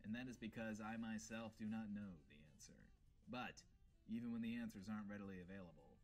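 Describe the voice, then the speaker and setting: A man's voice: on the low side, steady tone, quick pace, soft background music, lightly acted. A man playing a cocky, flirty host of a post-apocalyptic advice show, talking in a wordy, theatrical, suggestive way. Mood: flirty, smug. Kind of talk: audio drama radio host patter.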